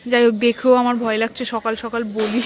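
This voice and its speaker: A woman's voice: on the high side, little pitch movement, a little fast. A woman, chatting casually to her viewers in a vlog while outdoors at a temple. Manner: chatty, talks to viewers directly. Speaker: vlogger.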